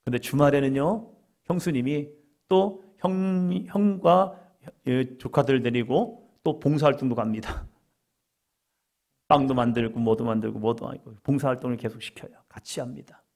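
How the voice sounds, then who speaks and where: A man's voice: mid-range voice, gravelly. A middle-aged man preaching a conversational sermon as a pastor, acting out quoted inner voices as he goes.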